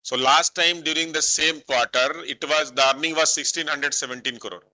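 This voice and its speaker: A man with an Indian accent speaking as a bank executive answering analysts on an earnings call, halting at times and repeating his words. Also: on the high side, fairly even intonation, sharp tone, rough recording. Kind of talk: earnings call management commentary.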